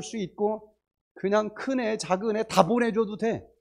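In a quiet background, a high-pitched man speaks fairly slowly with ordinary pitch variation. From South Korea. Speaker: health lecturer and preacher; health lecturer, preacher. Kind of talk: sermon-style health lecture. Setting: evening lecture. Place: studio. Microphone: handheld.

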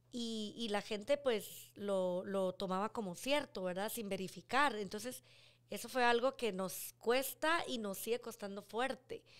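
A woman talks at a fairly slow pace with a fairly high pitch and ordinary pitch variation. The background is quiet. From Guatemala. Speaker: infectious disease physician; podcast guest. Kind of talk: interview. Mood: warm, smiling, nostalgic. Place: studio. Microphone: studio mic.

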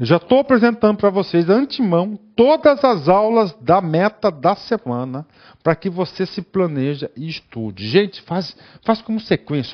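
A man talks at a fairly slow pace in a high pitch, his voice making very wide pitch swings. The background is quiet. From Brazil. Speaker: online course teacher. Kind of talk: lecture. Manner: animated. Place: studio. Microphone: headset.

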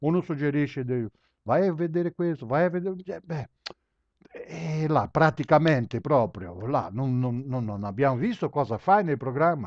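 A man speaks with a non-native accent and a fairly high pitch. His pace is fairly slow, and his intonation is lively. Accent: non-native-sounding Italian, out of practice. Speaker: CAD/CAM tutorial maker. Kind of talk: screen-recorded tutorial. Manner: halting, many fillers.

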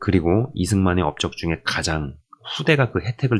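A man speaks at a moderate pace in a very deep, low pitch. His pitch swings very widely. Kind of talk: book review monologue. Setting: home video recording with camera.

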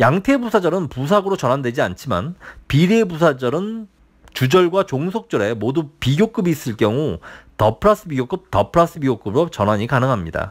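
Very wide pitch swings mark this fairly quick speech. The recording is very clean, with a silent background. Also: man, fairly high pitch for a man. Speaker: English grammar teacher. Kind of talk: lecture. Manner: formal.

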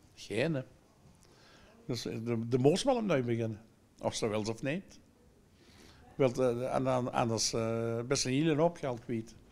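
Very slow delivery with long, frequent pauses and ordinary pitch variation. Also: man, medium pitch for a man. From Limburg, Netherlands. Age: 70s. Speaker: pub and guesthouse owner. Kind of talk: news interview answer. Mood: shaken, resigned. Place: cafe. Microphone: handheld.

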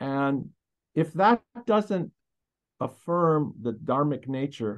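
A man with an American accent, fairly high pitch and very wide pitch swings, over a quiet background. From United States. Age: 60s. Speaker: music composer; podcast guest. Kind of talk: casual interview. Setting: video call. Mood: reflective, spiritual, warm. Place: studio. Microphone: webcam.

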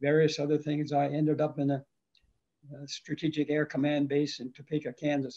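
Speaking at a fairly quick pace, a man with a New England accent has a fairly high pitch, heard over a quiet background. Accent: New England American. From Vermont, Burlington. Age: 80s+. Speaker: retired surveyor and author. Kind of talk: interview. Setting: video call. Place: home room. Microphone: webcam.

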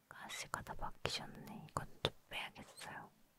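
Over loud background noise, a soft-spoken woman whispers at a very slow pace. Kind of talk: ASMR role-play. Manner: soft close ASMR near-whisper. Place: home room. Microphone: studio mic.

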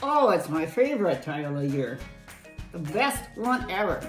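Clear music plays in the background as a woman uses a cartoonish character voice at a moderate pace. Her fairly low pitch makes very wide swings. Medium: puppet. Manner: eager, cheerful.

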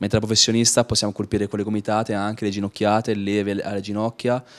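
This man speaks at a very fast pace with a fairly low pitch. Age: 20s. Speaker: mixed martial arts fighter; interviewee. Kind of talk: interview. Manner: casual. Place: home room. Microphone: handheld.

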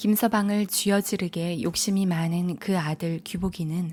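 At a fairly slow pace, a woman speaks in a calm, soothing tone that is dark, mellow and somewhat breathy, with medium pitch and ordinary pitch variation on a very clean recording with a silent background. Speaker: audiobook narrator. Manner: calm, soothing, unhurried storytelling pace.

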